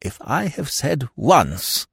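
A man's voice: fairly high pitch, sing-song, measured pace, gravelly, dry recording, clean studio sound, voice pushed up, exaggerated voice. A man voicing a dreamy, benevolent elderly lord in an audiobook, murmuring absent-mindedly and repeating himself. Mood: indignant. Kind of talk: comic novel audiobook character voice.

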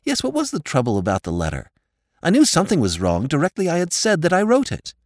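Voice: medium pitch, wildly swooping pitch, fast, dry recording, studio quality, pitched above the performer's own voice. A reader voicing an earnest young woman who pleads and soothes. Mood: pleading. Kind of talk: audiobook character voice.

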